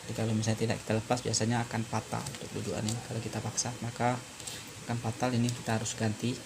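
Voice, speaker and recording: A man narrating an informal hands-on repair tutorial as presenter, explaining step by step in a halting way with frequent pauses. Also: on the low side, monotone, creaky, noisy background.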